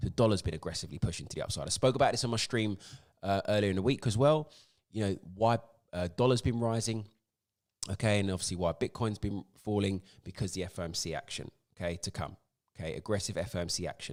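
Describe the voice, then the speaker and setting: A man's animated voice at a very fast pace, with ordinary pitch variation. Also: fairly low pitch for a man, very clean recording, silent background. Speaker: crypto market analyst. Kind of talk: market analysis livestream.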